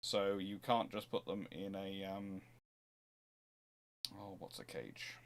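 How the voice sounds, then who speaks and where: Low-voiced man explaining, thinking aloud. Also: fairly even intonation, slow pace. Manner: discursive, often breaking off and rephrasing mid-sentence. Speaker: host answering viewers' history questions. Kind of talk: informal expert commentary, thinking aloud.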